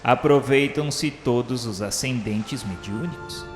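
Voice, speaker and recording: A man narrates in a Brazilian accent with a mid-pitched voice, solemn and declamatory like a formal literary reading. His delivery is reverent and scripted. The sound is very echoey, with music playing behind him. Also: measured pace. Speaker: narrator of a radio novela. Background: background music.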